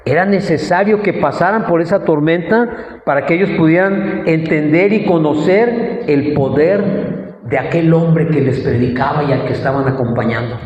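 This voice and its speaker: A man's voice: sits high, darkish tone. A man preaching a sermon, asking the congregation questions and acting out the quoted lines. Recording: echoey hall, dull lo-fi sound.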